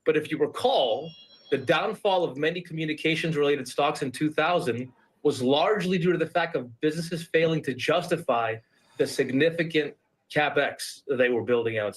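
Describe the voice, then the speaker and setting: A man appearing as a guest analyst in a business TV interview, explaining his points in a measured, step-by-step way. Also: fairly high pitch, husky, rough recording.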